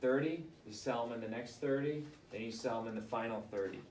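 A man coaching aspiring authors in front of a live audience, firing off quick advice and rhetorical questions. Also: mid-range voice, a little hiss or hum. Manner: energetic, rapid-fire advice with rhetorical questions. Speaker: book coach. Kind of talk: live group coaching session. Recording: roomy, distant mic, faint ambience.

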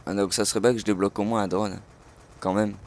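A man hosting a gaming channel, giving live commentary on his own match with frequent excited outbursts and swearing. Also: on the low side, fast, a little hiss or hum.

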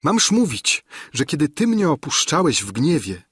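A man reading aloud the impassioned, pleading lines of a despairing young woman in love, in a husky voice. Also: fairly high pitch, big pitch swings, moderate pace, a bit bright, dry recording, clean studio sound, exaggerated voice. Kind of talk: audiobook reading of a classic novel.

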